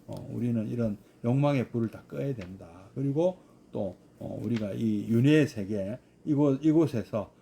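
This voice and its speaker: A man's voice: medium pitch, vocal fry, dark tone, a little hiss or hum. A man, a Buddhist monk, giving a scripture study lecture with many hesitant fillers and rhetorical questions.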